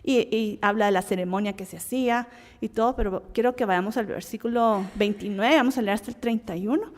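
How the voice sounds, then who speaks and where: A woman's voice: mid-range voice, a little fast, big-room sound. A woman from Guatemala with a Guatemalan Spanish accent, teaching a Bible lesson in a conversational way, asking and answering her own questions.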